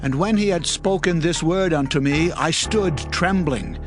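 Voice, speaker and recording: A man's voice: on the high side, measured pace, lightly acted. A man playing an awestruck, humble Hebrew prophet who recounts his vision earnestly and reverently in a dramatized scripture reading. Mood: awed, trembling. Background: music.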